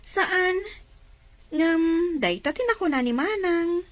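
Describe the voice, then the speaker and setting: A woman playing a gently advising aunt in an Ilocano audio drama. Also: extremely high pitch, expressive, takes it slowly, exaggerated voice. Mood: gently teasing.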